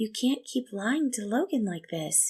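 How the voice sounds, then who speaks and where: A put-on character voice, female-sounding and high-pitched, comes out soft-spoken with a gentle tone at a moderate pace. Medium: read story. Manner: soft, gentle.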